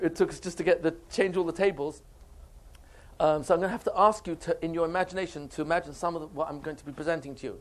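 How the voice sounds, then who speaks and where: A man with a British accent talks at a very fast pace. His pitch is high and his intonation fairly even. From England, London. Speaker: rabbi and educator. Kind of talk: lecture. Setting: stage with audience. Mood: apologetic, warm. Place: meeting room.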